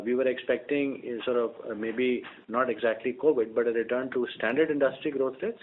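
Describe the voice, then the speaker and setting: A man answering as a company executive on an earnings call, explaining things in a measured, halting way. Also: mid-range voice. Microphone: conference call line. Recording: narrow-band conference phone line.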